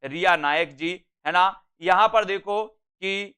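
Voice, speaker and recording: Male teacher from India, high bright voice, smooth and clear, repeats points and recites verse slowly. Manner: repeats points, keeps asking "है ना?"; slows to recite verse lines. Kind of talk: exam-prep lesson.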